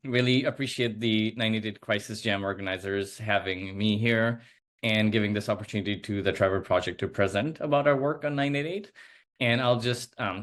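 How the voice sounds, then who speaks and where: A low-voiced man in his thirties, originally from Nepal, walks through a slide presentation over a video call. He speaks earnestly and steadily, with frequent small fillers between points. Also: fairly bright tone. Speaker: advocacy presenter.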